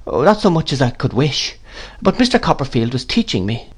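A man's voice: mid-range voice, big pitch swings, moderate pace, slightly rough, pitched above the performer's own voice. A man voicing a meek young widowed mother who answers faltering and apologetic. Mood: timid.

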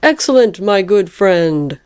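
A woman puts on a saucy male lark from a storybook. He is knowing and teasing, exclaiming with stretched-out emphasis and a very animated melody. It is recorded dry, with little room around it. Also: on the low side, measured pace, no room sound. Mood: exultant.

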